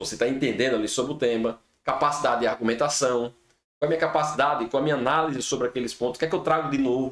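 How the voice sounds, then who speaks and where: The pace from this man is very fast. His pitch variation is ordinary. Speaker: teacher for public exam preparation. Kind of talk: tutorial.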